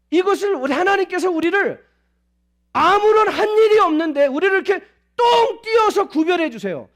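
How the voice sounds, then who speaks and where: A male pastor preaching a sermon at a church service, animated and asking the congregation many questions. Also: extremely high pitch.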